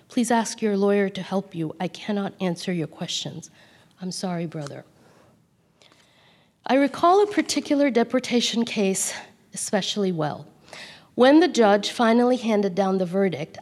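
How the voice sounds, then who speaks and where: A woman's voice: medium pitch, a little mellow. Woman reading memoir in echoey hall. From Calcutta, India. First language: Bengali. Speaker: author reading from her memoir. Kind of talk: reading aloud from her own book. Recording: long hall reverb.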